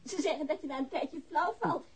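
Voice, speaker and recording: A woman's voice: high-pitched, a little fast. An actress playing a policeman's frank wife in a naturalistic radio drama, sardonic, playful and outspoken, teasing and eager by turns. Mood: playful, obliging.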